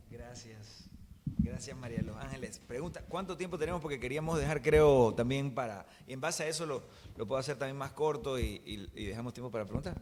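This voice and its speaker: Audible room echo surrounds a man of medium pitch who talks at a fairly quick pace with ordinary pitch variation. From eastern Bolivia, Santa Cruz de la Sierra. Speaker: panelist, democracy advocate. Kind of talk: panel talk. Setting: conference hall with audience. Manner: talkative, hesitant repetitions.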